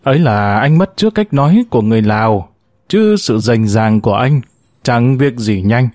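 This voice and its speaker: Male story narrator, expressive reading voice with a lively, wide-moving pitch and a mellow, warm tone. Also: normal speed, no room sound, studio quality. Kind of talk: scripted narration of a short story.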